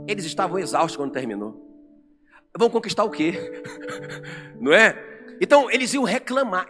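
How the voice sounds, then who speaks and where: A man with a Brazilian Portuguese accent preaching an animated sermon to a congregation in a church. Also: high-pitched. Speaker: pastor. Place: church sanctuary. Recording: long church reverb with music under.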